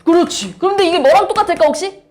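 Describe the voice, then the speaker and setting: High-voiced woman teaching a math class. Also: quick pace, darkish tone. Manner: explains step by step, asks students questions. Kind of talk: classroom lecture.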